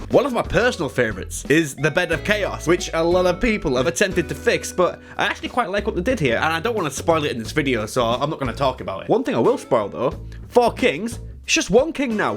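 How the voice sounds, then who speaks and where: A man with a British accent talks at a very fast pace over music in the background. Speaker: gaming YouTuber and streamer. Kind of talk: video essay narration.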